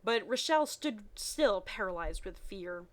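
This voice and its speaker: A woman reading amateur fiction aloud in a mocking way, dropping in wry, deadpan asides. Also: medium pitch, unhurried. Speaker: reader and commentator.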